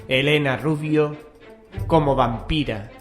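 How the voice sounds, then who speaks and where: A man's voice: mid-range voice, slow pace. Spanish male horror radio host, music behind. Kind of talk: scripted horror show presenting.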